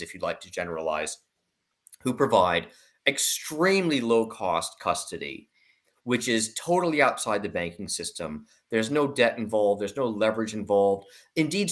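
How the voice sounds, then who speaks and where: Emphatic man with a lowish voice. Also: fairly bright tone. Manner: emphatic, insistent, stresses points by repetition. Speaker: investment commentator on a panel. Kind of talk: conversational expert explanation.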